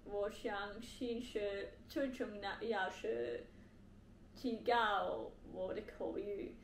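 A young woman, a non-native Mandarin speaker with a foreign accent, talks casually to camera in a halting way, searching for words. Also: mid-range voice, fairly even intonation. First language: not Mandarin. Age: young adult. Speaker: language learner vlogger. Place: indoor living room with bare wall, on sofa. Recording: echoey room, faint background hiss.

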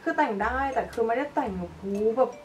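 Her voice runs high yet has a darkish tone, with lively intonation and a fast pace, as this young beauty vlogger demonstrates makeup products in relaxed chat. The recording catches her slightly off-mic over light music.

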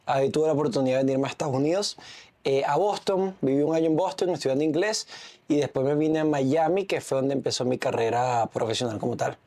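A man's voice: medium pitch, fast talker, dark tone. A man in his thirties with a Venezuelan accent, a guest speaking confidently in a casual interview, seated in an office lounge. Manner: confident, talks with his hands. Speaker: entrepreneur guest. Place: office lounge with city view.

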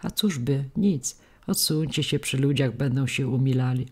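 A woman's voice: low voice, normal speed, a little mellow. Woman doing a curt, angry young peasant woman. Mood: bitter. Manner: curt, bitter.

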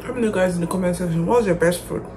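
A woman's voice: on the low side, very fast, music in the background. A woman chatting casually to her viewers like a lifestyle vlogger, musing aloud as she goes. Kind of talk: casual vlog chat to viewers. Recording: clear background noise.

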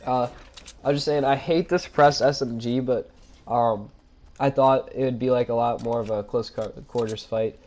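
A young man with a cold, stuffed up and nasal, commentating his own gameplay and pausing for breath, with excited outbursts. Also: medium pitch. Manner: nasal, pauses for breath mid-sentence; excitable exclamations during fights. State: congested from a cold. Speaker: gaming channel host.

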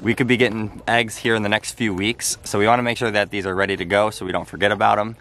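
A young homestead vlogger films himself at arm's length on a handheld camera, talking casually and explaining things step by step, mostly outdoors in a snowy yard and partly inside a house. His voice is lowish and a bit bright, delivered flat and fast.

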